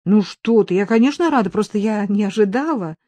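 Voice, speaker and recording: A woman voicing a gentle, somewhat anxious young mother in an audiobook. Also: medium pitch, lively intonation, a little fast, dry recording, voice pushed up, close to an everyday voice. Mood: motherly.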